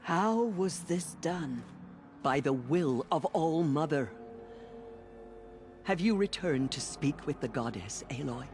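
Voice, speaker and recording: A man playing a calm, formal tribal priest who speaks in ceremonious phrases. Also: a little high, takes it slowly, soft background music.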